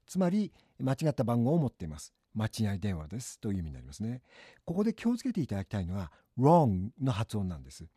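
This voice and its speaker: Japanese man teaching phrases, very lively pitch. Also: slightly rough, dry recording, studio quality. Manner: slow, drawn-out model phrases for repeating. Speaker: English teacher for a city hall. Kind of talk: short English phrase lesson.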